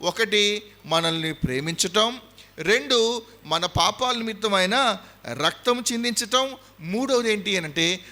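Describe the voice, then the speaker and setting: A man's voice: sits high, sharp tone. A man with a Telugu accent, preaching a sermon with emphatic repetition and questions to the congregation. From India. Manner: emphatic preaching, repeats points and quizzes the audience. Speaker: pastor.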